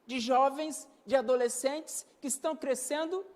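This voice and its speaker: A man's voice: very high-pitched, normal speed, a little mellow. A man preaching an emphatic sermon on parenting, repeating key phrases and acting out everyday dialogue. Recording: long hall reverb.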